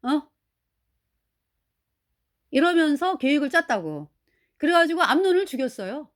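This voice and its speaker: A woman's voice: high-pitched, very animated, unhurried. A woman preaching a sermon, retelling a Bible story in a colloquial way, acting out the quotes and asking listeners to agree.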